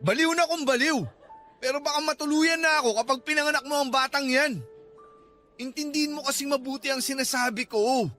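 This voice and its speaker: An irritable, defensive student boyfriend in a radio drama. His voice is very high and bright for a man, exasperated and insistent, with faint music behind. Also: a little fast. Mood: insistent, persuading. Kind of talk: Tagalog radio drama acting.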